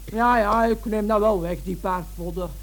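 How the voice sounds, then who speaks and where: An actress playing a sharp-tongued young daughter, curt and scornful, in a Dutch radio play. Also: female voice, mid-range voice, normal speed, close to an everyday voice, low-quality recording. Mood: surly.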